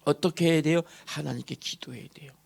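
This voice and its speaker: A male pastor preaching a sermon in a church, posing questions to the congregation and answering them himself, moving from loud emphasis to soft murmurs. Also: a little high, quick pace, creaky. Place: church sanctuary.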